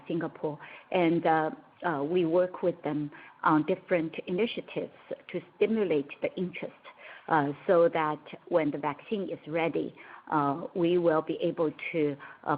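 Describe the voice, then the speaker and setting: A woman executive answering questions on an earnings call, speaking in measured, halting short phrases. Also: sits low. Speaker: company executive. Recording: narrow, tinny phone line.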